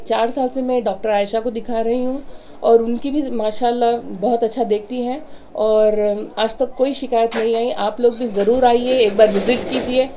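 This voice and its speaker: Customer testimonial, woman with a mellow, slightly high voice, faint room hiss, brisk and earnest. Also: rough recording. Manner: brisk, recommending. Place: small office indoors. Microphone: press microphones on table.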